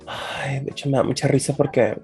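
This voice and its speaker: A woman's voice: a bass voice, steady tone, a little fast, mellow, faint music behind. A woman with a Mexican accent telling slangy stories in a casual chat and often laughing, talking over headphones on a remote call. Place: home room, remote call.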